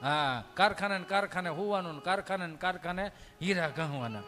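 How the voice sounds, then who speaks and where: A man's voice: sits high, fairly quick, bright, forceful tone, big-room sound, faint music behind. A man with a Kathiawadi Gujarati accent telling folksy comic stories on stage, chatty and acting out the dialogue. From Dhari area, Saurashtra, Gujarat. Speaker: stand-up comic storyteller. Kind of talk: live comic storytelling on stage.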